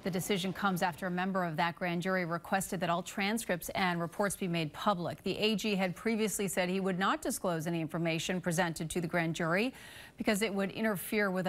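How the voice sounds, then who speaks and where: A woman's voice: on the low side, fairly even intonation, a little fast. A woman anchoring a morning newscast, reading scripted headlines and stories. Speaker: news anchor.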